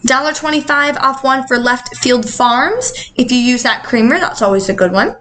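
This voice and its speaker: A woman's voice: sits high, expressive, moderate pace, fairly bright tone, a little hiss or hum. A woman hosting a casual, chatty, upbeat coupon vlog, her articulation slightly altered by wearing dental retainers.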